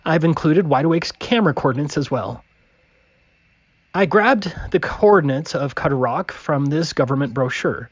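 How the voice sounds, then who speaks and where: A man's voice: on the high side, expressive, normal speed, dry recording, muffled recording. A man delivering scripted video narration in an emphatic, declarative manner.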